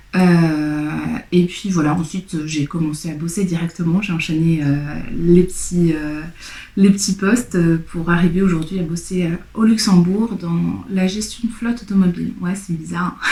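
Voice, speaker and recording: Through noticeable background noise, a woman speaks at a fairly slow pace in a fairly low voice for a woman, her intonation fairly even. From France, Lyon. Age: 30s. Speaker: sewing youtuber. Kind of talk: casual vlog answering tag questions. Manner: hesitant, many fillers.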